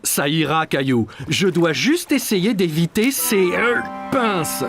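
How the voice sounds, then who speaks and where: Slow, lilting, gentle cartoon dad. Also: male voice, sits high, lively intonation, music in the background, exaggerated voice. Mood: reassuring. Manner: patient, cheerful, soothing explaining. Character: gentle, reassuring, encouraging young father. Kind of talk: children's cartoon dub.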